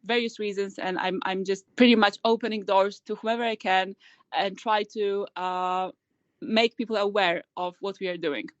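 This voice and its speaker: A woman's voice: medium pitch, steady tone, moderate pace, dry recording. A woman company founder answering interview questions in a rush, with many repeated words and restarts. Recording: dry, dull lo-fi call audio.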